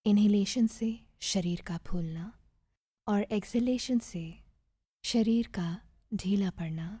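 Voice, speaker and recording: Female meditation guide: soft, husky-breathy and mellow, soothing and unhurried delivery with gentle pauses. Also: medium pitch, no room sound, studio quality. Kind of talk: guided meditation, scripted narration.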